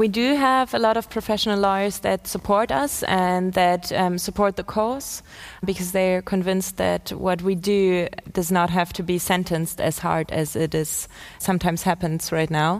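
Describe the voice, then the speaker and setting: At a moderate pace and medium pitch, a woman speaks in a plain, everyday voice with very even loudness and ordinary pitch variation. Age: 20s. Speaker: climate activist. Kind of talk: panel discussion.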